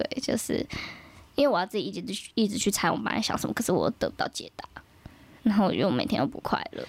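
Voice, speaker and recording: A soft-spoken woman at a very fast pace. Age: 20s. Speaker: university student. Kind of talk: casual chat.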